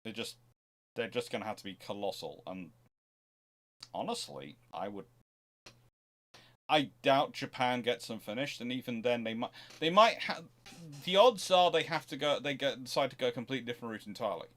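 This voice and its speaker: A man's voice: mid-range voice, animated, moderate pace, pauses often, a bit bright. A man hosting an informal expert question-and-answer talk, discursive and often breaking off to rephrase his sentences as he thinks aloud. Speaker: host answering viewers' history questions.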